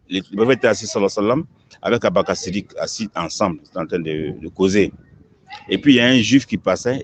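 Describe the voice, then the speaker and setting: A man's voice: medium pitch, a little hiss or hum. A man, an imam, answering questions in an emphatic preaching manner, repeating words as he builds each point. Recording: dull lo-fi recording.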